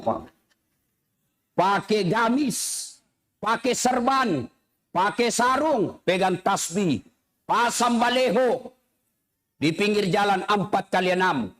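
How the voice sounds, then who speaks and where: A middle-aged man preaching a humorous sermon, telling jokes and acting out characters with big swings in pitch. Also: a bit bright.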